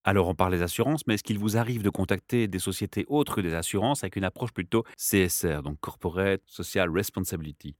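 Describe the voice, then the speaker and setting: A low-voiced man hosting a podcast. He asks long, enthusiastic questions and chimes in with agreement. The recording is dry and close. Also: quick pace, few pauses, dry recording. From Belgium. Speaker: podcast host. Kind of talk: podcast interview.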